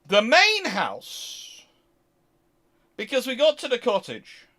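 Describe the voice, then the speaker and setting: A British man hosting a casual question-and-answer chat, talking in a rambling, halting way and often interrupting himself. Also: extremely high pitch. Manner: rambling, halting, animated anecdotes with self-interruptions. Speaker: host answering viewer questions.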